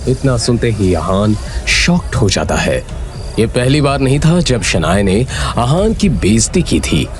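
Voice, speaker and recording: Brief: male audio-drama narrator, lively intonation, music underneath. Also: mid-range voice, a little slow. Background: background music.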